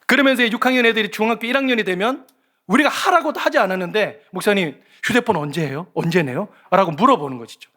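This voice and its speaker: A male pastor giving a lively sermon, telling stories and acting out the voices of children and teachers. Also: high-pitched. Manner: animated, acts out children's voices and shouts. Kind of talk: sermon with storytelling. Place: church sanctuary.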